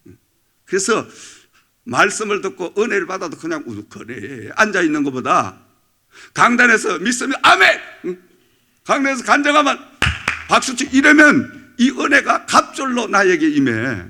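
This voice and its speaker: A male pastor preaching a Sunday sermon, animated and calling out to the congregation for amens. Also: sits high, moderate pace.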